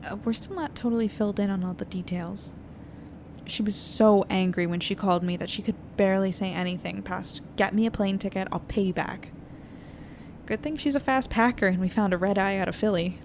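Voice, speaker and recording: A woman playing an anxious, weary young newspaper editor in an audio drama, confiding and hesitant as she thinks out loud. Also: mid-range voice, brisk, close to an everyday voice. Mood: worried, reflective. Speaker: lead narrator of an audio fiction podcast. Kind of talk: intimate naturalistic audio drama monologue. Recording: noisy airplane cabin ambience.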